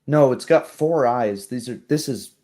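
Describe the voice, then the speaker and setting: A man's voice: medium pitch, measured pace, a little mellow, lightly acted. A man voicing an unperturbed, plain-spoken village woman in a tabletop roleplay, in a hesitant, matter-of-fact way.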